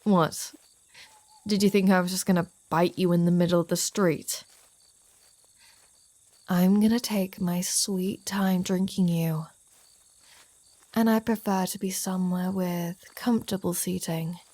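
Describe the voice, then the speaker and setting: Slow, teasing vampire woman, acted by a woman. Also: fairly low pitch, fairly even intonation, warm tone, dry recording. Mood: flirty, teasing. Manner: teasing, sardonic, sweary, drawling. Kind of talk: ASMR roleplay audio drama addressed to the listener.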